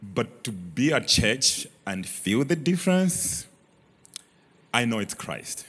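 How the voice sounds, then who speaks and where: At a very slow pace with long, frequent pauses, a man speaks at a medium pitch, his pitch swinging very widely. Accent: Malawian. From Malawi. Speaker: church member sharing ministry work. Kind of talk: onstage interview. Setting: church stage with congregation.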